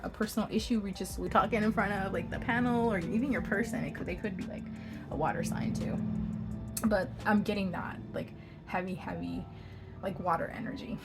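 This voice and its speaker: A woman's voice: mid-range voice, darkish tone. A woman doing a casual pick-a-card tarot reading, chatty and bubbly, laughing often and filling her talk with "like.".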